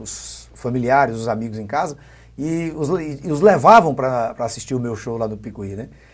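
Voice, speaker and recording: Lively intonation runs through a man's somewhat breathy voice. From Brazilian Northeast, interior of Paraíba. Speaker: comedian. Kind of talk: interview. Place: studio. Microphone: lapel.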